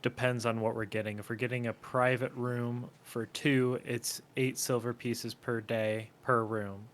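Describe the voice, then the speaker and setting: A man's voice: mid-range voice, little pitch movement, measured pace, a bit bright. A man at a tabletop game reads lodging prices aloud in a plain, matter-of-fact voice. A faint hiss runs behind him. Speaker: player. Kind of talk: casual game table chat.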